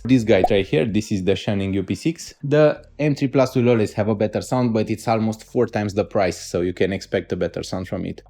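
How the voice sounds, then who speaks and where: A man's voice: fairly low pitch, warm tone. A man with a Romanian accent giving a casual spoken gear review as a reviewer, explaining things emphatically and enthusiastically.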